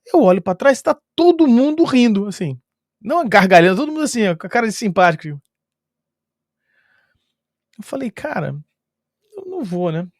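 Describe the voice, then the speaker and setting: A man with a Brazilian Portuguese accent telling a travel story in a casual, lively way, chuckling often and using sound-effect filler words. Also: very high-pitched, moderate pace, long pauses, dry recording, clean studio sound.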